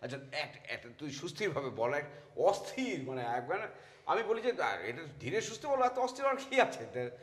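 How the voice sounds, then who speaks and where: A flustered middle-aged husband who stammers and trips over his words. His bright voice swings up and down as he tries to calm things. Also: fairly high pitch, quick pace.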